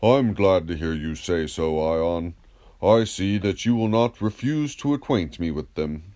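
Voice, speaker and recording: A man plays a wise ancient philosopher in an audiobook dialogue. He questions politely and methodically in a low, mellow voice, unhurried, with lively rises and falls. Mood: patient probing. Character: wise, courteous Greek philosopher, patiently probing.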